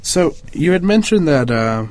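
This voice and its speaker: A man's voice: a little high, sing-song, measured pace, a little mellow, dry recording. A young man asking casual interview questions as the interviewer.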